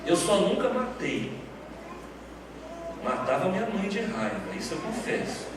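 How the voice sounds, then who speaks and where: A man's voice: high voice, sing-song, measured pace, very noisy. A middle-aged man preaching a sermon in a large church, emphatic and full of rhetorical questions. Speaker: pastor. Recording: echoey hall from far off.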